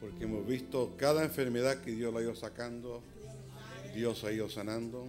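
Clear music in the background behind a male speaker at a moderate pace. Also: ordinary pitch variation. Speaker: pastor. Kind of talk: sermon. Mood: earnest, reflective. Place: church. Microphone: podium.

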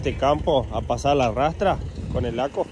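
A man's voice swings very widely in pitch. The sound is dry with no echo, though noticeable background noise is present. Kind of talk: casual vlog chat. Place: open country. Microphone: phone near.

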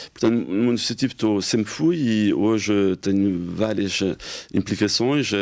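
At a fairly slow pace, a man speaks with a fairly low pitch and ordinary pitch variation. The background is quiet. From France, Paris (from age 7), born in Cascais; Paris. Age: 50s. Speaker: lawyer; interviewee. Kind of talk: interview testimony. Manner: hesitant, many fillers and repetitions. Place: studio. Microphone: studio mic.

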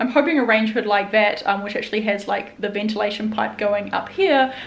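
A woman speaks at a fairly quick pace in a medium pitch, with vocal fry, ordinary pitch variation and faint background noise.

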